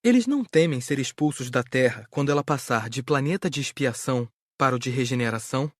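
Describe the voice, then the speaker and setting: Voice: mid-range voice, animated, fast, dry recording, clean studio sound, natural voice. A performer with a Brazilian accent playing an inquisitive, concerned male student spirit in an audiobook. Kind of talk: audiobook dramatised reading.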